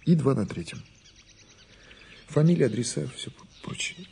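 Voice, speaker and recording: An actor playing a middle-aged investigator in an audio drama, politely coaxing and gently ironic as he questions, echoing words thoughtfully. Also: a little high, huge pitch swings, normal speed, vocal fry, slightly rough, heavily acted. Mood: businesslike. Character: probing, gently ironic male prosecutor's investigator. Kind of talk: naturalistic radio drama dialogue.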